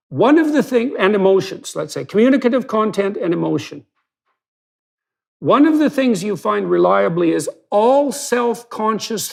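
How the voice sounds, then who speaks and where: A man's voice: high-pitched, gravelly, a little mellow. A man talking bluntly and emphatically as a guest in a conversational interview, with some mild swearing.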